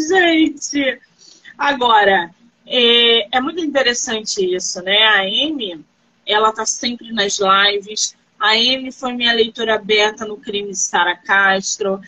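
A woman, an author hosting a live-stream interview, animated and reassuring as she asks questions and tells stories. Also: fairly high pitch, slow pace, dull audio.

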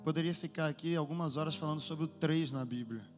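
A man preaching a sermon in pauses for an interpreter, swinging from quiet storytelling to shouted, half-sung calls. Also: a little high. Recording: music under a long-echo church hall.

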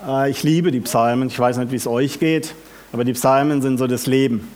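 A man preaching a sermon, often asking the congregation questions and speaking with lively emphasis. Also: mid-range voice, brisk.

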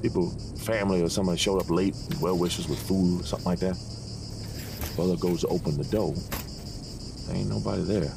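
Low-voiced Southern yarn-spinner. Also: male voice, fairly even intonation, vocal fry. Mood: ominous storytelling. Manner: folksy, unhurried storytelling. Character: folksy man spinning a spooky family yarn. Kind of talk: audio drama acting. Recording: noisy, with outdoor-like ambience.

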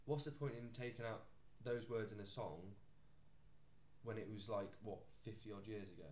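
Laid-back low-voiced man, echoey. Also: steady tone, normal speed, darkish tone. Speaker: podcast co-host. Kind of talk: casual chat. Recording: roomy echo, faint hum.

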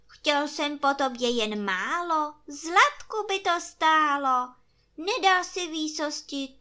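A woman's voice: high voice, sharp tone, pitched above the performer's own voice. A woman voicing a feisty, cocky rooster in a storybook tale, with a sing-song, crowing manner. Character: feisty cocky rooster demanding his coin.

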